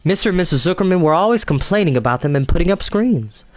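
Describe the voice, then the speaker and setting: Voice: medium pitch, lively intonation, fast talker. A storytime host reading a children's book aloud and explaining it to young listeners.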